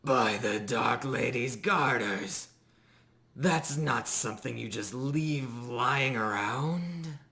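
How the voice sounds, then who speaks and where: Man doing a testy, slow-talking undead miner. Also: mid-range voice, bright, forceful tone, pitched above the performer's own voice. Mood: exasperated. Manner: exasperated, formal and old-fashioned phrasing. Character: testy, mannered undead miner in construction hat.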